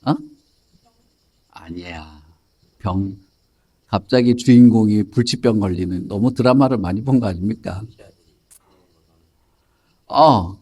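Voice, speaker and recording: Male Sunday school teacher, mid-pitched, playful storyteller who quizzes kids. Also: sing-song, a little slow, pauses often, a little mellow. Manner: storytelling, quizzing children by name; playful, joking. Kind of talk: Bible lesson for children.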